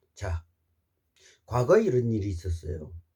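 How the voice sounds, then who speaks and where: A man's voice is somewhat breathy, with a dark, mellow tone. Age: 60s. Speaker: vlogger and amateur musician. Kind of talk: casual monologue.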